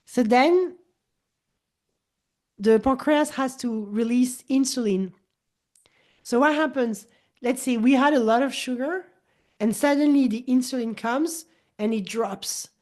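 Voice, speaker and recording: A native French speaker in her forties hosts as a wellness coach in a casual conversation, speaking fairly high and a little slowly with long pauses. She's animated, repeats words, restarts, and often acts out quoted dialogue.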